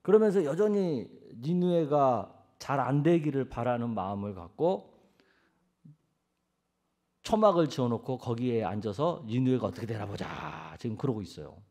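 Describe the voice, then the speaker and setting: A male senior pastor preaching a sermon in a colloquial, storytelling manner, acting out scripture with lively emphasis. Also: medium pitch, normal speed.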